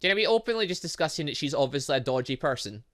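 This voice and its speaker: A man doing lively let's-play commentary as a gaming video host, exclaiming and talking to the game's characters. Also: fairly high pitch, racing. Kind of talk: lively let's-play commentary, reading game dialogue aloud.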